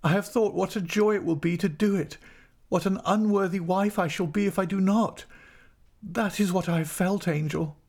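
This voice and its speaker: A man's voice: fairly high pitch, lively intonation, moderate pace, dark tone, slightly rough, pitched above the performer's own voice. A man voicing a desperate, pleading young wife, devoted and frightened, in a dramatic audiobook reading. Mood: anguished devotion. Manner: imploring, emotional.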